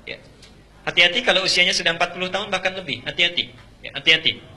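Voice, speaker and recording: Middle-aged male preacher, bright slightly high voice, dramatic sermon delivery with loud-to-soft swings. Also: lively intonation, fast talker.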